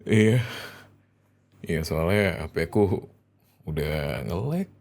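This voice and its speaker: A man with a fairly low voice plays a doting husband in an ASMR roleplay. His pitch moves around a lot as he speaks tenderly to his wife. The delivery is expressive and a little hesitant. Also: slow. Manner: affectionate, hesitant, giggly, expressive acting. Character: affectionate, excitable young husband talking to his wife.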